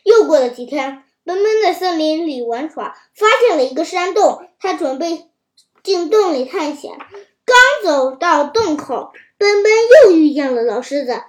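High-voiced woman telling a children's story. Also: normal speed. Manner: lively, expressive reading with slips. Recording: roomy echo.

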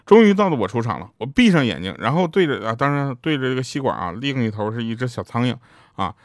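A man's voice: mid-range voice, big pitch swings, fast, dry recording, studio quality. A man hosting a joke show, telling funny stories in a casual, chatty way and often asking listeners to agree. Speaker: radio joke show host. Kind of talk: casual comic storytelling.

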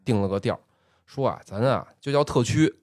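A man hosting a podcast, telling a story in casual chat, full of drawn-out filler particles. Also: medium pitch, a little mellow, dry recording, studio quality. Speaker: podcast host.

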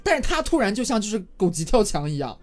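A woman hosting a casual chat show, telling game stories with lively, indignant storytelling. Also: mid-range voice, quick pace, a little hiss or hum. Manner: animated storytelling, flares up when indignant. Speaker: podcast host.

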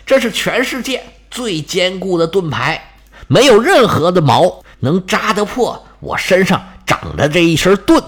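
A man's voice: high-pitched, sing-song, unhurried, fairly bright tone, full character voice. A man voicing a huge, boastful male lion monster that talks lazily and scolds.

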